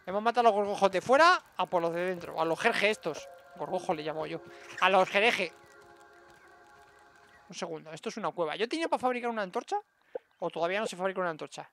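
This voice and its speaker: A man's voice: high-pitched, animated, quick pace, gravelly, pushed and bright, faint music behind. A man with a Spain Spanish accent giving let's-play commentary, muttering to himself and bursting into exclamations, recorded on a desk mic at home. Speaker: gaming streamer.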